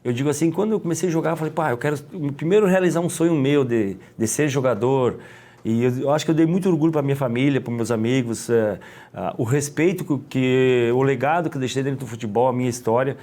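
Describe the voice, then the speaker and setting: A middle-aged man with a Gaúcho Brazilian accent, a former footballer talking as an interview guest, rambling and halting with many restarts. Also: medium pitch, mellow. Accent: Gaúcho Brazilian Portuguese. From Rio Grande do Sul, Brazil. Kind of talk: casual interview.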